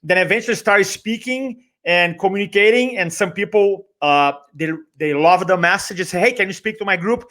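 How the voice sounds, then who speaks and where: Brazilian-accented male speaker trainer, middle-aged, fairly high voice, persuasive conversational delivery with emphatic repeats. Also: moderate pace, few pauses, pushed and bright. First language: Portuguese. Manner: emphatic, repeats phrases, rhetorical questions. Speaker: guest, speaker trainer and business owner. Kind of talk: conversational motivational talk.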